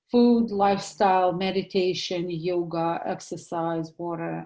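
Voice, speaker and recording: Speaking at a fairly slow pace in a Russian accent, a woman has a dark, mellow tone, medium pitch and fairly even intonation against a quiet background. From former Soviet Union. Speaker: physician and network marketing presenter. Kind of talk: sales presentation.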